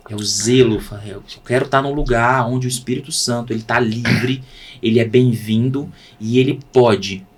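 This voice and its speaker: A man, a pastor, talking in a podcast conversation with a preaching cadence that swings from loud emphasis to hushed tones. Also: mid-range voice, normal speed, slightly rough.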